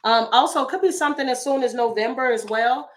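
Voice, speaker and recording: A woman with a slightly raspy voice, chatting through a tarot reading for her viewers with exclamations and asides. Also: on the high side, fairly quick. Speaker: tarot reader.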